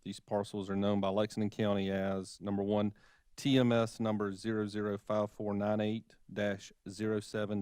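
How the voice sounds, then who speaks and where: A man's voice: on the low side, darkish tone, dry recording, clean studio sound. A man on a school board reading out a formal motion with long parcel numbers, careful and exact. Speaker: board member.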